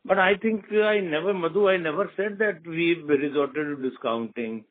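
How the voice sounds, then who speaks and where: A man's voice: a little high, moderate pace, a little hiss or hum. A man, a company executive answering analysts on an earnings call, hesitating often with fillers and restarts. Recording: tinny phone line.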